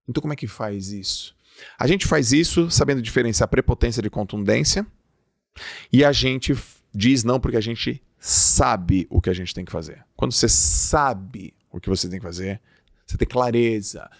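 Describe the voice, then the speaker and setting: Brazilian male podcast host, gravelly voice, dry close studio sound, emphatic motivational delivery. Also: mid-range voice, moderate pace, no room sound. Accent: Brazilian Portuguese. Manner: emphatic, acts out quoted dialogue. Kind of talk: motivational talk.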